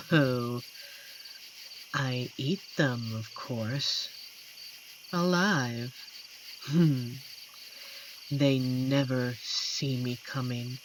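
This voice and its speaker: Woman playing a low-voiced, slow-talking amiable werewolf. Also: noisy background, heavily acted. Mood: darkly amused, menacing. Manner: unhurried, teasing, chatty with dramatic pauses. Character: amiable, playful female werewolf guardian of a forest. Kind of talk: scripted audio roleplay addressed to the listener.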